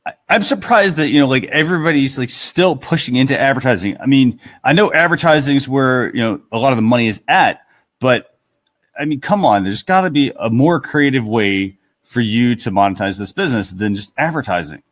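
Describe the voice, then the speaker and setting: A man's voice: mid-range voice, expressive, a little fast, a bit bright. A man hosting a talk show in casual chat, with loose, hesitant phrasing full of "you know". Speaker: host of a marketing talk show.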